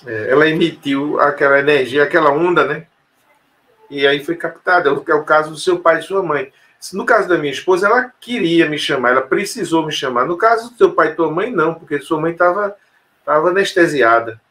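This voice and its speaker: A man's voice: fairly high pitch, fairly quick, pushed and bright. A man telling a personal story in an interview, hesitant, with many fillers and restarts. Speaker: interview guest. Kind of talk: casual storytelling conversation.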